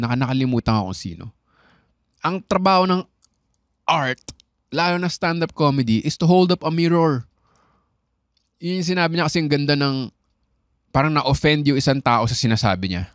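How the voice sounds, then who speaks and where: A man's voice: medium pitch, no echo, studio quality. A young adult man with a Filipino accent, hosting a podcast as a comedian. He answers listener questions in a loose, rambling way and keeps asking "di ba?". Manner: chatty and rambling, tagging on "di ba?" and "alam mo yun".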